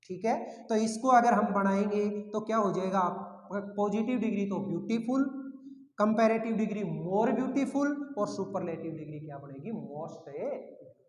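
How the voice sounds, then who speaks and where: Male grammar teacher, high voice, quizzes then answers himself, long reverb, roomy classroom sound. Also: measured pace. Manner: asks questions and answers them himself, repeats key words. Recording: echoey room with long reverb.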